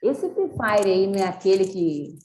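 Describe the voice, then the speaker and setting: A woman's voice: medium pitch, animated, normal speed, a little mellow. A woman teacher leading an online class discussion in a chatty, encouraging way, with many fillers. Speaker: university teacher. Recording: echoey room with faint noise.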